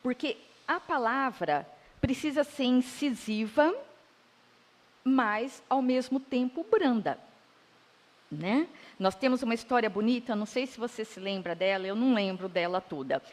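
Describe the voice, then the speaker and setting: A woman with a Brazilian Portuguese accent speaks in a reflective, affirming way during a conversational spiritist talk. Her voice sits somewhat high, and a long hall reverb trails behind her words. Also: measured pace. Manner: reflective, affirming, retells edifying stories. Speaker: spiritist lecturer.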